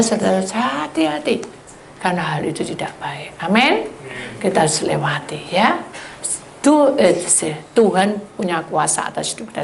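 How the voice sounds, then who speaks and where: A woman's voice: mid-range voice, creaky, slight background noise. A woman pastor with a Javanese accent giving a sermon testimony, telling her story vividly, acting out dialogue, and speaking straight to the congregation. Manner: animated storyteller who acts out dialogue; addresses the congregation directly.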